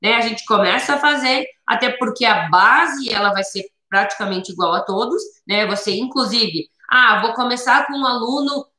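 A woman's voice: a little high, moderate pace, hardly any pauses, bright, forceful tone, reverberant. A woman instructor explaining how to teach children, with many tag questions and rephrasings. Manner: explanatory, repeats points with many "né?" tags. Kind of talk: instructional talk.

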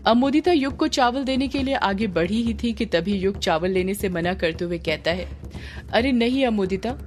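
A woman storyteller giving scripted horror story narration in a steady, even way. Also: medium pitch, normal speed, slight background noise.

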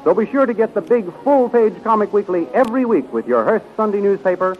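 A man's voice: sits high, animated, fairly quick, faint music behind. An American man narrating a 1930s radio serial as its announcer, with a dramatic, emphatic delivery. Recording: muffled, noisy 1930s radio recording.

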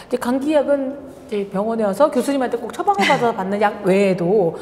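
A woman's voice: on the high side, animated, fast talker, a little mellow, in a large hall, slight background noise. A woman hosting a health talk show, asking questions in a chatty, playful way. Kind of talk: interviewing a guest.

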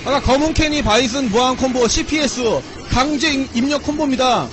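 A man with a very high voice commentates a fighting-game tournament. He is excitable and exclamatory, moving between drawn-out announcer calls and casual chat. There is clear background noise behind him.

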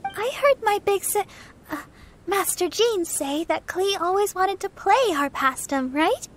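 Very high, sweet teenage girl. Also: animated, measured pace, slight background noise. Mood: kind, encouraging. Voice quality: light, girlish. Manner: gentle, coaxing. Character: sweet, caring teenage girl, encouraging and bashful. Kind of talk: video game voice acting.

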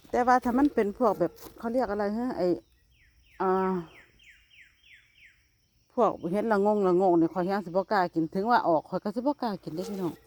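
A woman's voice: medium pitch, brisk, long pauses, a little mellow, slight background noise. A woman with an Isan Thai accent chatting casually to viewers in a vlog, filmed outdoors in a rural yard on a phone. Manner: chatty, addresses viewers as "brothers and sisters". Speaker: vlogger.

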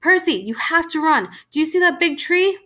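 A woman's voice: fairly high pitch, moderate pace, bright, forceful tone. A woman doing an anxious, urgent mother. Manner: urgent, pleading.

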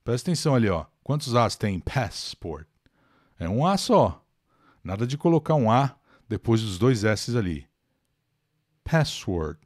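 A man's voice: medium pitch, big pitch swings, measured pace, a little mellow, no echo, studio quality. An older man with a Brazilian Portuguese accent teaches an English lesson live, explaining words and answering viewers in the chat by name.

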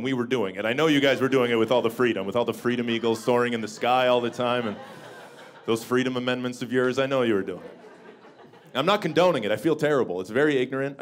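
A man in his thirties from Canada, with a deep voice, doing a stand-up set into a handheld mic in a small comedy club. He talks in a wry, self-mocking way and breaks into bursts of mock bluster. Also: a little hiss or hum. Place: small comedy club stage with a seated audience. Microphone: handheld stage microphone.

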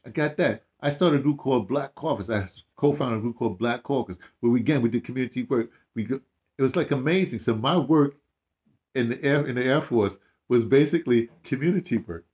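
In a small home room, an older American audio dramatist, sixty or beyond, muses and tells stories for an interviewer. His mid-range voice has a darkish tone and a fairly quick pace, and his casual speech wanders with emphasis, false starts and repetition.

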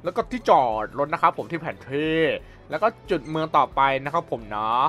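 A man's voice: a little high, sing-song, brisk, fairly bright tone. A young man casually commenting while playing a video game, chatty and rambling with polite filler endings. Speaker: gameplay commentator. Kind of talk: casual let's-play commentary. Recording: voice over game audio and music.

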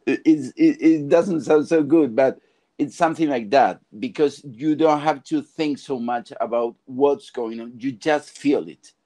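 A middle-aged man from Argentina speaks slowly and deliberately, his voice soft and dark in tone. He pauses and restarts as he searches for words, talking through earphones on a video call from a home studio. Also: mid-range voice. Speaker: film composer guest. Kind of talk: casual video call interview. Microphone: earphone mic on video call.

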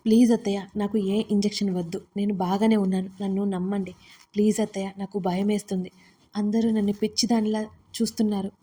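A scared young wife begs in a raised, anxious voice , as a woman narrator acts her out. Her words come out pleading and tearful, with a soft, warm tone underneath. She is a character in a spoken storybook. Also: mid-range voice, flat delivery, a little fast, slightly rough, close to an everyday voice.

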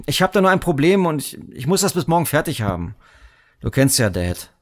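An actor playing an eager, friendly younger brother in an audio drama, a little hesitant and apologetic. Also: male voice, fairly high pitch, sing-song, brisk.

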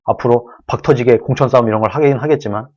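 A man's voice: medium pitch, fast talker, a little mellow, muffled recording. A man hosting his own channel, giving an earnest solo political commentary, pleading and restating each point.

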